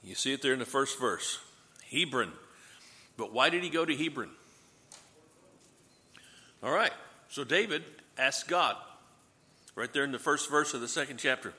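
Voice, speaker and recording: A man's voice: mid-range voice, lively intonation, moderate pace, pauses often, bright, forceful tone, long reverb tail. A man teaching a Bible class review. He asks the class questions, answers them himself, and adds light joking asides.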